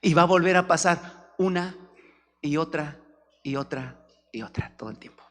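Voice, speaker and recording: A male pastor with a Mexican Spanish accent delivers a sermon in an animated way, acting out dialogues with humor. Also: on the high side, normal speed. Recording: hall reverb.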